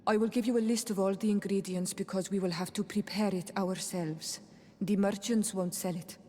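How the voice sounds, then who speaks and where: A woman's voice: medium pitch, steady tone, moderate pace, dark tone, long reverb tail, slight background noise, close to an everyday voice. An actress voicing a solemn, devoted young female tribal healer in a video game, with earnest, careful, slightly formal delivery. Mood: solemn, grateful.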